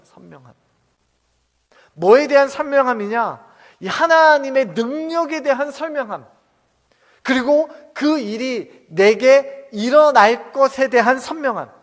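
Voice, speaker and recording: A male pastor preaching a Sunday sermon from the pulpit, asking the congregation questions and swinging between soft and loud. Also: very high voice. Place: church sanctuary. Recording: long reverb of a church hall.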